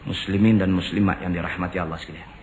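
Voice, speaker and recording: A male preacher, chanting Arabic phrases slowly and emphatically before moving into plain storytelling. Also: low-pitched, steady tone, heavy background noise. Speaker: religious preacher. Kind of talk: sermon.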